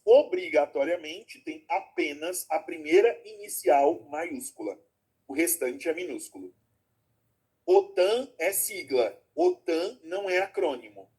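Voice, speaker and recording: Heard through a video call, a male teacher with a slightly high, a little mellow, slightly rough voice explains his lesson step by step. He checks in with the class frequently and warmly calls his students "my loves."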